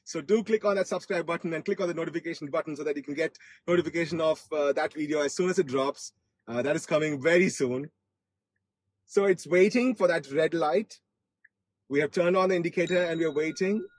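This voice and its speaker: Husky, enthusiastic man vlogging from a car. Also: on the high side, fairly quick, no room sound. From Australia. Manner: enthusiastic, repeats phrases, hesitant with frequent repetition. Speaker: host of a car test-drive vlog. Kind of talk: casual excited live commentary. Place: inside a moving car.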